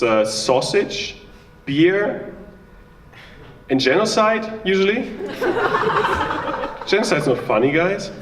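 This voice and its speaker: A man's voice: a little high, fairly bright tone, reverberant, recorded from a distance, a little hiss or hum. A young man from Germany with a German accent, doing a chatty, self-mocking stand-up set and bantering with the crowd. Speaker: stand-up comedian. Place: small live venue with audience.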